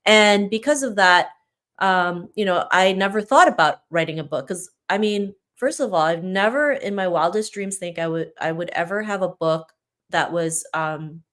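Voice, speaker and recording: A woman's voice: lowish voice, moderate pace, fairly bright tone. A woman from Toronto, born in the Philippines and not a native English speaker, talking casually and motivationally as an author guest on a podcast. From Toronto, Canada, born in the Philippines. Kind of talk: casual interview talk, motivational.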